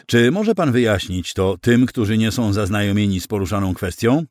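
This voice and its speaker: A man's voice: fairly low pitch, lively intonation, moderate pace, darkish tone, no room sound, studio quality, lightly acted. Man voicing a curt, dismissive senator. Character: dismissive, skeptical male senator.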